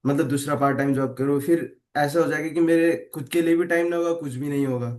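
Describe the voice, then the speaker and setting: A man's voice: on the high side, steady tone, brisk, a little mellow. Hesitant young man sharing his worries. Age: 20s. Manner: hesitant, searching for words. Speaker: participant sharing a problem. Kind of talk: casual personal sharing.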